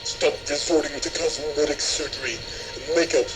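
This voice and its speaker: An actor playing a stern preacher father who delivers a slow, emphatic sermon in a film clip. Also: a little high, steady tone, natural voice, low-quality recording. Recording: film clip with music behind.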